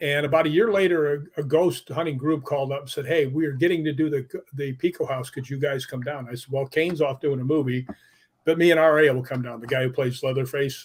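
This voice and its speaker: A man with an American accent speaks at a very fast pace. His voice is fairly high and somewhat breathy. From United States. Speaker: actor and stuntman, paranormal investigator. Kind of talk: casual chat. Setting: live video call show. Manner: animated storytelling.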